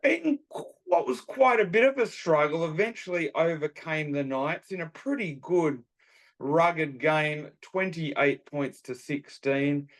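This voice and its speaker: A man's voice: on the high side, measured pace. An Australian man co-hosting a sports podcast, running through scores with enthusiastic, colourful phrasing. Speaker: podcast co-host. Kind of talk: casual sports chat.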